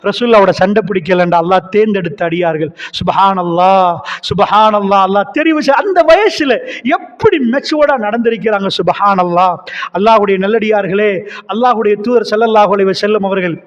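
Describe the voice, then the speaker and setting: A man preaching an impassioned sermon, telling stories with rising fervor that builds to loud cries. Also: sits high, fairly quick. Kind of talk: Islamic sermon. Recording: reverberant hall sound, muffled lo-fi.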